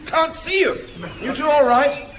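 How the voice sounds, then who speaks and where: An actor playing a genteel English Home Guard member in a radio sitcom, with a polite manner. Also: male voice, very high-pitched, unhurried, a bit bright, a faint crowd, slight background noise, poor audio. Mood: urgent.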